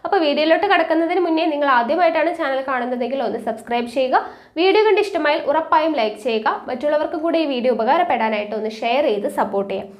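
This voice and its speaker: A woman's voice: high-pitched, animated, very fast. A woman teaching a language lesson, patiently repeating words and answering her own questions. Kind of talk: exam-prep language lesson.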